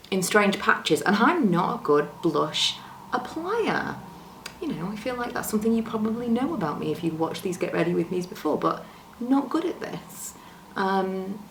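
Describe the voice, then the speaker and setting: A young woman talks casually through a makeup routine, self-deprecating and full of little fillers. Her voice sits a touch low, roughened by an oncoming cold. She is close to the camera in a home room with some echo and a faint hiss. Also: fairly bright tone. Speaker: beauty vlogger. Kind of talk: casual makeup tutorial chat. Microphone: camera close to the face.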